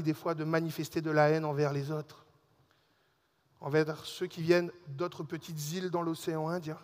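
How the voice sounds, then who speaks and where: A man preaching a sermon as a pastor, telling a personal story in a lively way and speaking directly to the congregation. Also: on the high side, long reverb tail. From Alsace and Réunion. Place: church hall.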